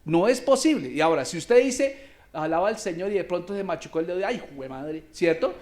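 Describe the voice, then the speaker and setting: A man's voice: sits high, expressive, a little fast, darkish tone. A male pastor preaching a sermon, asking his congregation questions as he teaches.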